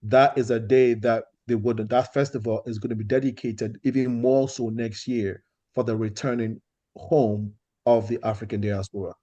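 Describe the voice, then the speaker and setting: A man's voice: medium pitch, steady tone, moderate pace, mellow, lo-fi sound. A man hosting an organization meeting, speaking earnestly and often restarting his sentences. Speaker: host of the meeting.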